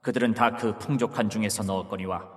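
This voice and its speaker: A man playing Jesus as a calm teacher, giving measured, solemn lines in a dramatized Bible reading. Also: on the low side, lightly acted. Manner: measured, solemn archaic delivery. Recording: long hall reverb.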